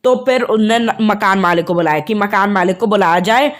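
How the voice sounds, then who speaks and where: A woman teacher talks students through a textbook story in an easy, conversational tone. She speaks at a middle pitch, stops often to check that her listeners are following, and circles back to repeat the main points. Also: brisk. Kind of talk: casual storytelling explanation of a class lesson.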